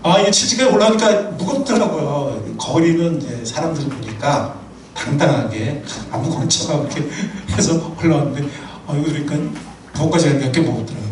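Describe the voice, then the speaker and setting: Pastor guy preaching, lively ups and downs, kinda high voice, echoey church from far away. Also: a little fast, a little hiss or hum. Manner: animated and humorous, tells personal anecdotes. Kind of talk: sermon. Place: church sanctuary.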